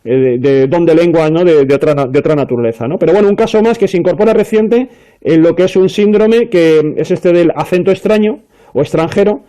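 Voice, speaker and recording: High, mellow-voiced man explaining. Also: brisk. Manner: explanatory, many fillers and restarts. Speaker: panelist. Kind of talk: casual panel discussion.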